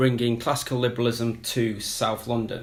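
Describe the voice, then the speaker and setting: A man talks at a moderate speed, his voice sitting at a medium pitch. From northwest England, St Helens. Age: 40s. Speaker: political podcast co-host. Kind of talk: podcast introduction.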